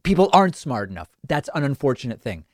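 Male talk host, mid-pitched, scornful and sarcastic, dry close sound. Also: sing-song, fast talker, darkish tone, dry recording. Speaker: political talk show host. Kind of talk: opinionated political commentary.

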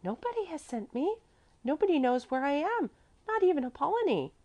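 A small, trusting girl from a children's storybook, acted by a woman reading aloud. Her voice sits high and swings freely up and down. She chatters in an artless, eager way, afraid of very little. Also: very animated, fairly quick, dark tone. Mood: eager, chatty.

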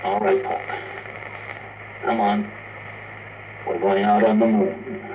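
An actor playing a steady, practical spaceman in a 1950s radio drama, speaking in a brisk, matter-of-fact way. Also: fairly low pitch, distant mic. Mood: urgent, steady. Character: practical, steady spaceman caring for an old friend. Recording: muffled, noisy old 1950s radio recording.

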